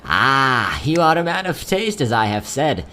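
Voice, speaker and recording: In a fantasy audio drama, a voice actor plays a courteous young travelling merchant with a quiet sadness, delivering polite, theatrical, wry sales patter. His mid-range voice is sing-song and a little slow, with a slight hiss or hum in the audio.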